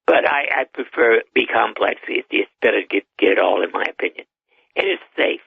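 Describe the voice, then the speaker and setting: An elderly man in his eighties speaks as a doctor giving advice, matter-of-fact and sure of himself. His voice is gravelly and husky. It comes through a tinny, dry phone line. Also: on the low side, a little fast, no echo. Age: 80s. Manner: matter-of-fact, advisory, with chuckles. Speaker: doctor guest. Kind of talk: radio call-in interview.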